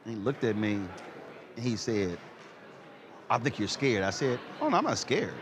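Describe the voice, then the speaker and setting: A man in his fifties hosting an interview, telling stories in an animated way and repeating "I said" as he acts out conversations. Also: lowish voice, measured pace, a crowd in the background. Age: 50s. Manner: animated storyteller, repeats "I said" while acting out exchanges. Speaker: host. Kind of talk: casual interview chat.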